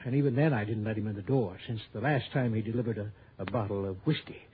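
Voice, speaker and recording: A man's voice: lowish voice, fast, husky. An actor playing an elderly male country doctor who hesitates and stammers, in a 1960s radio drama. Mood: defensive. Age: older. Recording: tinny old radio broadcast.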